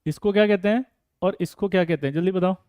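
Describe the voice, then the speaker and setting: A man teaching a lively online chemistry lesson, teasing students by name and firing off quick prompts. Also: high voice, clean tone, no room sound, muffled recording. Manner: playful, teasing students by name, rapid "jaldi batao" prompts. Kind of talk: energetic online exam-prep lesson.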